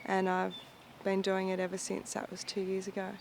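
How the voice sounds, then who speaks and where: A woman in her late thirties talks in a flat, gravelly voice. She is relaxed and fills gaps with soft fillers. Background noise hangs behind her. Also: mid-range voice, normal speed. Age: 30s. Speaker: roller derby player interviewee. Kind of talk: casual interview answers. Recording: noisy background.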